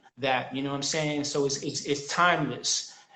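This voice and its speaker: A man with a fairly high pitch talks in a space with audible room echo. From New York, Queens. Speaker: visual artist. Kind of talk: casual chat.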